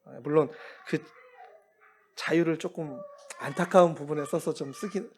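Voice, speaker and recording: A man preaching as a missionary, telling personal stories in a relaxed, conversational way with occasional chuckles. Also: on the high side, moderate pace, slight background noise. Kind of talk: sermon storytelling.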